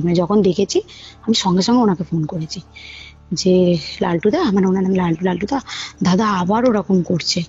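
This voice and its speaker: A woman's voice: mid-range voice, dark tone, husky. A woman telling a personal story casually as a caller, acting out the dialogue she quotes, on a phone call recording. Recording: muffled phone call recording, music underneath. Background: background music.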